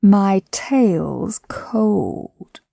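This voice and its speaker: A woman voicing a gloomy old male donkey who grumbles slowly and mournfully. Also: mid-range voice, very animated, vocal fry, mellow, no room sound, studio quality, heavily acted. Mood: gloomy complaint.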